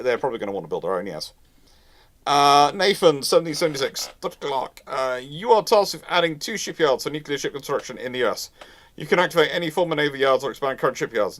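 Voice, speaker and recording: A man hosting a live question-and-answer chat, talking in a rambling way and often repeating and rephrasing himself. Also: mid-range voice. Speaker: host answering audience questions.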